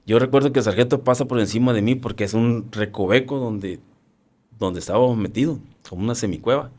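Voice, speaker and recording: A man in his fifties with a Mexican accent, a former soldier recounting his own experience in a halting way, often restarting and repeating words. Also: medium pitch, darkish tone. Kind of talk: personal war-story testimony.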